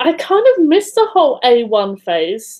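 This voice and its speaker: A woman with an Essex accent speaks with very wide pitch swings. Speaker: crafting YouTuber. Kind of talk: casual live chat. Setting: live stream.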